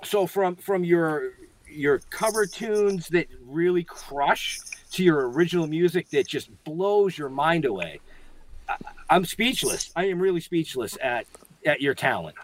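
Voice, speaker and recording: A man's voice: a little high, lively intonation, slight background noise. A man hosting a casual interview, gushing with praise and often restarting his sentences. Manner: effusive, halting with fillers and restarts. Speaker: podcast host.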